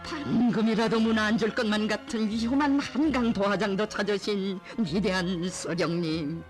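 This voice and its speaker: A woman's voice: mid-range voice, moderate pace. A woman with a North Korean accent reading scripted propaganda documentary narration in a solemn, reverent, emotive declamatory manner. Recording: music behind the voice. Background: music.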